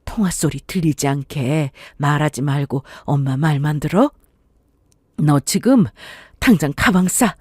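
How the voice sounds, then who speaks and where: Brief: woman playing an anxious, commanding mother, low and hushed, dry recording. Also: unhurried, breathy edge, no echo. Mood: urgent hushed. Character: worried middle-aged mother giving urgent orders.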